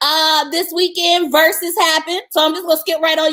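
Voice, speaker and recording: Loud and animated, a woman's voice comes through. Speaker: podcast co-host. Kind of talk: casual chat.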